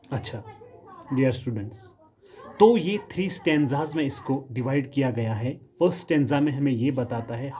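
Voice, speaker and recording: A male English lecturer giving a classroom lesson in mixed Hindi and English, explaining slowly, repeating himself and asking rhetorical questions. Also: mid-range voice, warm tone, husky. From Kargil, Ladakh. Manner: reads quoted English lines slowly and with emphasis.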